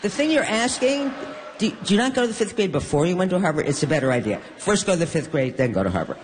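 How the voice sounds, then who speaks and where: An older woman from New York, a guest in an onstage conversation, telling stories with wry, deadpan humor. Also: on the low side, fast talker, a little hiss or hum. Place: stage in a hall. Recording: long reverb of a large hall.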